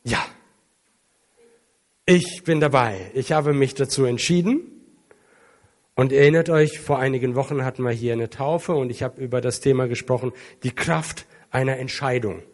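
A man preaching a sermon to a congregation, earnest and emotional, stretching key words slowly for emphasis. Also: mid-range voice. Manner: emotional, earnest, with some dramatic slow emphasis and rising intensity. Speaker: pastor. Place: church hall with an international congregation.

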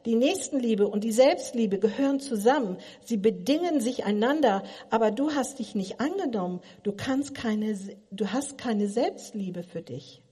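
A woman's voice: a little high, lively intonation, moderate pace, few pauses, mellow, husky. A middle-aged woman giving a sermon, asking her listeners earnest, probing questions. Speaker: preacher. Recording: long hall reverb.

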